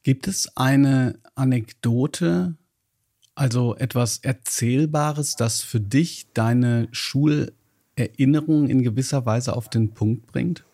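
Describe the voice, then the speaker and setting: A man's voice: medium pitch, slow pace, dark tone. A man hosting an interview, asking long, winding questions full of asides. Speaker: podcast host, interviewer.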